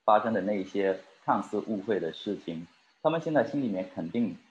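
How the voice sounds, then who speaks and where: A man's voice: on the low side, lively intonation, brisk. A man preaching a sermon and talking straight to his congregation, asking them questions and drawing them in. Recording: roomy, dull lo-fi recording.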